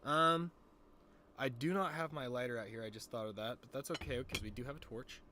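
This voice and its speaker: A man's voice: mid-range voice, fairly quick, background noise. A young man with a lisp and a stutter, chatting casually and rambling in a loose, jokey way with plenty of swearing as he talks to his viewers. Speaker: streamer. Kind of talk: casual stoner vlog chat.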